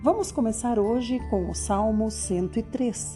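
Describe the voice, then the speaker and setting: Fairly slow female speech over background music. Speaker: Bible reader / audio Bible narrator. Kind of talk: Bible reading, devotional audiobook narration.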